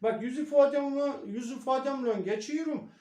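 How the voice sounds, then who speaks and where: A man voicing an exasperated local with a Black Sea Turkish accent, loud and exaggerated. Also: moderate pace, far from the mic. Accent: Black Sea Turkish, put on. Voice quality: loud, high-pitched and exaggerated. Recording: echoey room.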